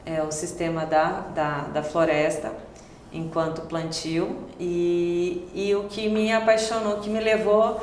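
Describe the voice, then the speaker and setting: A woman's voice: on the low side, level tone, slow pace, darkish tone, roomy sound, a little hiss or hum. A woman restaurant owner as an interview guest, answering hesitantly and searching for words with many fillers.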